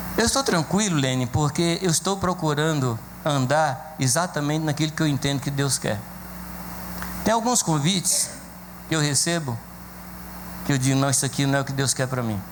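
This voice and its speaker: Pausing long and often, a man speaks in a fairly high voice, with audible room echo and noticeable background noise. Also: ordinary pitch variation, moderate pace. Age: 60s. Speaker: pastor. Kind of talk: sermon.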